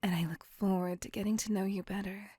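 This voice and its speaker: A woman voicing a courteous, possessive female vampire on a date, speaking in a soft, formal and reassuring whisper. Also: medium pitch, fairly even intonation, husky, no echo, clean studio sound, natural voice. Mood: tender whisper. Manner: formal, slow, intimate and reassuring. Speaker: voice actor. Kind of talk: ASMR roleplay.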